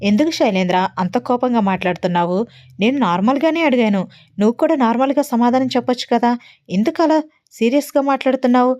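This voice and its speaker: A woman's voice: a little high, quick pace, no room sound, studio quality, natural voice. Woman voicing a teasing, caring young woman. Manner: gentle, persuasive, playfully teasing. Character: cheerful, caring young woman who teases.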